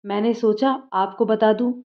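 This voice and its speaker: Woman doing a breathless worried young girl, hurried, lo-fi. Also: mid-range voice, steady tone, natural voice. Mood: urgent. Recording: slightly dull lo-fi audio.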